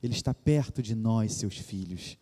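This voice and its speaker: A man's voice: lowish voice, moderate pace, warm tone. A man from Rio de Janeiro preaching a sermon as pastor, earnest and reverent, often calling the congregation "dear ones". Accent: Brazilian Portuguese, Rio de Janeiro. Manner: addresses the congregation as "queridos" often. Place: church sanctuary. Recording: long church reverb.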